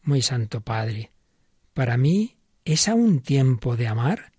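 Man reading elderly dying male philosopher, husky, dry close sound, slow halting delivery. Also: medium pitch, big pitch swings, mellow, no room sound, heavily acted. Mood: earnest.

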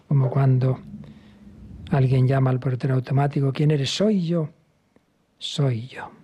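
A male priest with a Spain Spanish accent delivers a sermon in a dark, mellow voice with a husky edge. He preaches earnestly and with emphasis, at times sinking to a near whisper. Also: medium pitch. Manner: earnest, emphatic, drops to a hushed whisper for quoted words.

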